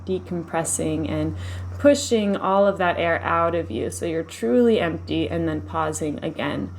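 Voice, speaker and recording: Casting: female meditation teacher, lowish voice, soothing and unhurried delivery, noticeable background noise on the recording. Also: low-quality recording. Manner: soothing, unhurried, gently instructive. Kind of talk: guided meditation, live session.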